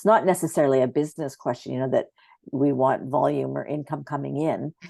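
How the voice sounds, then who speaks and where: The background stays quiet. A woman speaks at a very fast pace. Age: 60s. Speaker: webinar host. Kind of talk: interview Q&A. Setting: video call.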